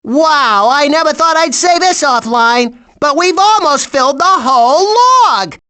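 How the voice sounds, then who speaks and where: A brash hustler bird from a video game. The voice is bright and piercing, leaping around in pitch. It wisecracks with bossy sarcasm. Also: female voice, animated, unhurried. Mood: sardonic. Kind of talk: video game character voice acting.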